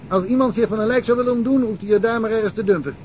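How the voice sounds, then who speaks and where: A wry, talkative small-town cop, played by a man rambles through old cases with a dry chuckle. His voice sits a little high, with a faint hiss behind it. It is a radio play. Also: very fast, darkish tone, natural voice. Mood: amused, chatty. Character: chatty provincial cop, male, middle-aged, wry. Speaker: local police detective. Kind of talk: radio drama acting.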